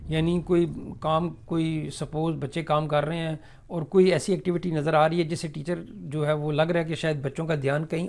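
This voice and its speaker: A man teaching simple classroom English sentences, saying each one slowly and explaining it at length with many fillers. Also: fairly high pitch, gravelly, a little mellow. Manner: slow, drawn-out model sentences in English, then Urdu explanation with many fillers. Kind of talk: spoken English lesson explained in Urdu.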